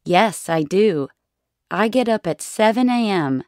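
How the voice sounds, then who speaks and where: Woman, smooth resonant voice, slow clear lesson reading, dry sound. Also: mid-range voice, animated, a little mellow, no echo. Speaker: dialogue reader. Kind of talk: scripted language-lesson dialogue.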